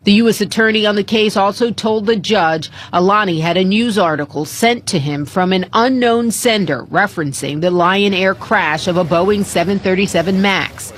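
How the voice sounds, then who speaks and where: A woman's voice: medium pitch, moderate pace, few pauses, slight background noise. A woman with an American accent narrating a scripted news report as a correspondent.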